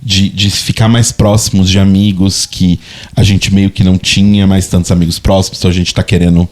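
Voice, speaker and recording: A Brazilian man in his thirties talks things over on his podcast in a slightly low voice. He speaks in a reflective, halting way and circles back over his own words. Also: a little mellow. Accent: Brazilian Portuguese. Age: 30s. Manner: reflective, hesitant, repeats words while searching for them. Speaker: podcast co-host. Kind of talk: casual chat.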